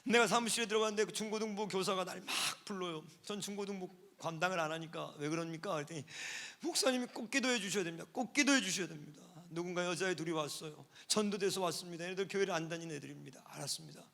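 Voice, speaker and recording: A male pastor preaching at a church service, his voice pitched high and bright for a man. He tells his stories with wide swings of intensity, dropping to a near-hush and then rising to loud, fervent cries. The delivery stays warm and vivid throughout, the pitch ringing and the tone sharp. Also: quick pace, vocal fry, few pauses. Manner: storytelling, swinging between hushed and shouting. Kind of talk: sermon.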